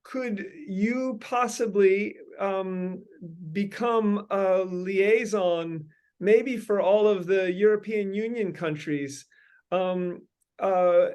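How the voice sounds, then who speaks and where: High-voiced man, halting and winding. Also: a little mellow, clean tone. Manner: halting, many ums and uhs, long winding sentences. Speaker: host leading a meeting. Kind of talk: brainstorming meeting talk.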